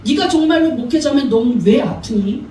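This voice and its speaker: A woman's voice: high-pitched, moderate pace, mellow, a little hiss or hum, natural voice. A woman voicing a devil who mocks and coaxes believers, in an echoey hall, heard from a distance. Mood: taunting. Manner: taunting, coaxing, mocking. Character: sneering devil tempting believers. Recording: echoey church hall, mic far off.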